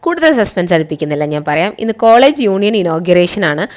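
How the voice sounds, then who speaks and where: A woman's voice: fairly low pitch, very animated, fast, darkish tone. A woman with a Kerala accent narrating a casual, chatty vlog, mixing English words into her Malayalam. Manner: chatty, addresses viewers with frequent tag words. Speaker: college teacher and vlogger.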